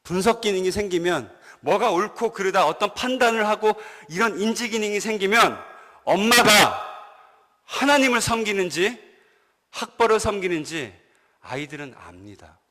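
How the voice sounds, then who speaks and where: Male pastor, high voice, long church reverb; animated sermon with questions to the congregation. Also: normal speed. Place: church sanctuary.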